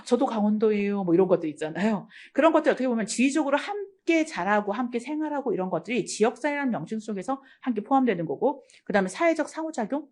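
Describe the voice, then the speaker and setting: A woman's voice: on the high side, animated, fast talker, hardly any pauses, darkish tone. A middle-aged woman from South Korea's Gangwon region, giving an online exam-prep lecture in a chatty, anecdotal way. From Gangwon Province, South Korea. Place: lecture studio.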